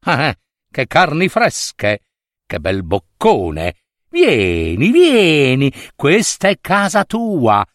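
A man's voice: a little high, wildly swooping pitch, very slow, no room sound, studio quality, full character voice. A man voicing a greedy child-eating ogress witch who sniffs, grunts and snarls in a fairy-tale telling. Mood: gloating.

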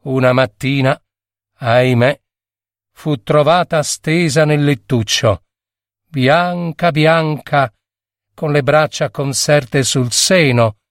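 A man reading a fairy tale aloud as narrator, in a measured, expressive storytelling manner. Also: a little high, no echo, studio quality.

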